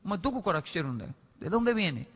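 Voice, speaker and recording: A man's voice: sits high, sing-song, a little fast, a bit bright, husky. A man from Colombia giving a public lecture at a podium microphone in a large hall, telling stories and acting out dialogue. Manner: storytelling, acts out dialogue. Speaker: conference speaker. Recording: reverberant hall, played from a video.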